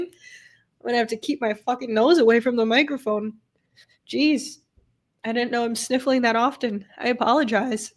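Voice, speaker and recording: A woman streamer with a stuffy nose from a cold, giving casual play-by-play of a football game and chatting with her viewers. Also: a little high. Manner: chatty, swears casually, reads and answers chat. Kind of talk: casual live play-by-play commentary with chat. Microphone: desk streaming microphone.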